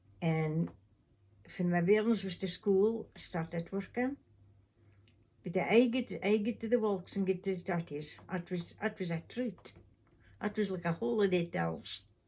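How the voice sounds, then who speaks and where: At a fairly slow pace, a woman speaks at medium pitch with ordinary pitch variation, a dark, mellow tone, a somewhat breathy quality, and long, frequent pauses. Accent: North East Scottish. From North East Scotland. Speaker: former fishing line baiter and home help. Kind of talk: oral history interview answer.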